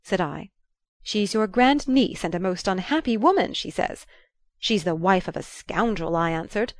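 A woman voicing a shrewd, commanding old grandmother who talks in a lively, imperious way. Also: mid-range voice, moderate pace, no echo, clean studio sound, natural voice. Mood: gossipy.

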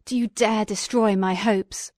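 A woman's voice: mid-range voice, fairly even intonation, unhurried, a little mellow, no echo, studio quality, lightly acted. A woman voicing a bitter, vengeful male creature in an audiobook reading, speaking in a brooding, threatening way. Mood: reproachful.

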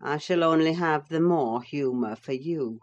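Woman reading a curt, scornful young master, low. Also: unhurried, highs cut off.

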